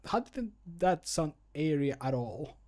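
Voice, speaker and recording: Slightly high-pitched with a darkish tone, this man sounds very animated yet keeps a measured pace. A streamer and hobbyist voice actor in his thirties, he chats casually and self-deprecatingly to himself while working in his home room, close to a desk microphone.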